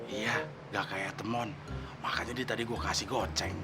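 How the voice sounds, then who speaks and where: A man's voice: fairly low pitch, steady tone, moderate pace, loud music behind the voice, close to an everyday voice. An actor playing a teasing, wisecracking man with a Jakarta accent, bantering casually in a sitcom. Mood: joking. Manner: teasing, wry.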